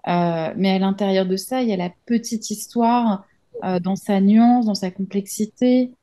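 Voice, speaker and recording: Here a woman in her thirties, whose first language is French, speaks as a guest author and journalist in a thoughtful interview. She muses aloud with frequent pauses and false starts, her mid-range voice mellow and moderately paced.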